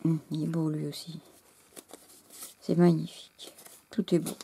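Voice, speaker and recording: A French woman hosting a scrapbooking channel, gushing in casual chat to camera, halting and losing her words, her voice going hoarse. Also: low voice, flat delivery, warm tone, slight background noise.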